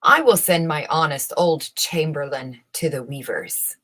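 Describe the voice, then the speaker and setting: Vain emperor for a storybook, acted by a woman, pompous, deliberate, unhurried delivery. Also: low voice, animated, fairly bright tone, voice pushed down, exaggerated voice. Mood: self-assured. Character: vain, uneasy emperor, a man confiding in himself.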